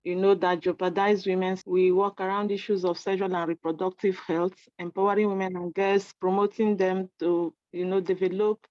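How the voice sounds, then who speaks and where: A woman from Nigeria, a lecturer and organization director, introducing herself formally in an earnest, measured way on a video call. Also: medium pitch, flat delivery, a little mellow, no room sound. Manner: earnest, measured, slightly hesitant. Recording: dry lo-fi call audio.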